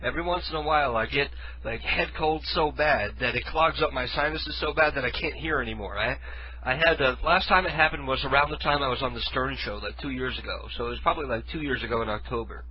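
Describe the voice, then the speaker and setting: Fast-talking and self-deprecating, a man with a medium-pitched voice hosts an internet radio show from his living room despite a head cold. He rambles loosely through a studio mic with headphones, and the audio is dull with a bit of background noise.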